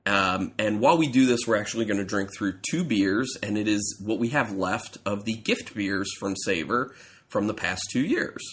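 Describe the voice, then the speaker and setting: A man's voice: on the low side, moderate pace, a bit bright. A man co-hosting a podcast in casual chat, his voice congested and stuffy from a cold, rambling and correcting himself as he goes. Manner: rambling, self-correcting storyteller. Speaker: podcast co-host.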